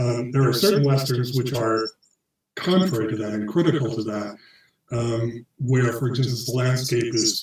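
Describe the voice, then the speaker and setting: At a fairly slow pace, a man with a somewhat breathy, medium-pitched voice speaks with an American accent and ordinary pitch variation. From United States. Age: 60s. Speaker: professor. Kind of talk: lecture Q&A. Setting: video call. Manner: halting. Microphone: poor audio quality.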